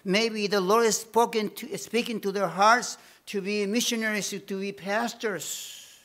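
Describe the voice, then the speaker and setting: Slow, high-voiced preacher. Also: male voice, fairly even intonation, fairly bright tone. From Bolivia. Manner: slow, emphatic preaching with repeated phrases. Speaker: missionary preacher. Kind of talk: sermon.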